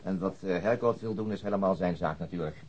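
An actor playing a stubborn, irritable chief police inspector in a radio play, curt and gruff. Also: male voice, sits low, fast, a little mellow. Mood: weary, businesslike. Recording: muffled, dull radio play recording.

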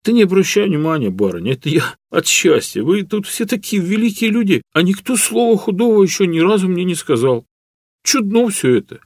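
A timid young serf with a high, straining voice and plain peasant speech, as a man reads him in an audiobook. He pleads and marvels at everything. The recording is dry and close. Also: sing-song, fairly quick, darkish tone, no echo, full character voice. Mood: bewildered. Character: simple-hearted young male serf, timid and grateful. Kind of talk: audiobook character voice.

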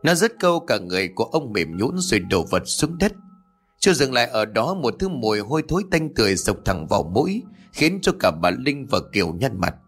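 Husky man narrating a horror story. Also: medium pitch, sing-song, a little fast, fairly bright tone, soft background music.

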